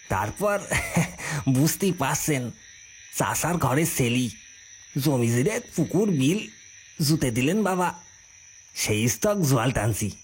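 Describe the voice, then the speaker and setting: Guy doing a shy young farm lad in an audio story, kinda high voice, polite and hesitant, crickets faint behind. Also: a little hiss or hum. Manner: respectful, hesitant, stammers when afraid. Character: humble young village farmer, deferential.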